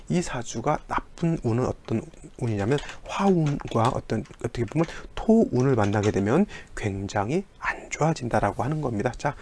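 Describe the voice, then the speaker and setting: A man's voice: medium pitch, darkish tone. A middle-aged man teaching saju fortune-telling in an explanatory lecture, often asking rhetorical questions. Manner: lecturing with rhetorical questions and acted-out student voices.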